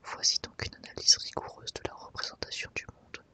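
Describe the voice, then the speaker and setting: A woman presenting an ASMR video in a soft, breathy whisper, with gentle, unhurried and careful phrasing. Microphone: microphone set slightly off to the side.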